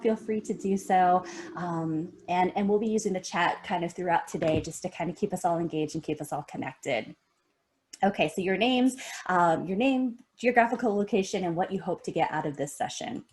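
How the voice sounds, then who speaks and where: A woman's voice: mid-range voice, a little mellow. A middle-aged woman from Indiana giving an online seminar talk, telling her personal story in an earnest, storytelling way with frequent ums, over a video call mic. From Midwest US, Indiana. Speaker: guest speaker, associate professor.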